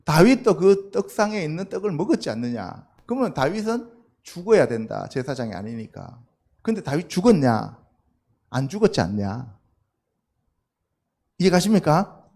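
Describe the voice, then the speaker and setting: A man's voice: fairly high pitch, big pitch swings, moderate pace, long pauses, darkish tone. A male pastor preaching a sermon to a youth congregation in a loose, conversational way, often asking the listeners questions and answering them himself.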